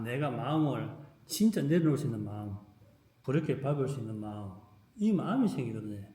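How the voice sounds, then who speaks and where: A man teaching a qigong class, emphatic, dropping to a softer voice when acting out thoughts. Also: medium pitch, roomy sound. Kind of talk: lecture to a class.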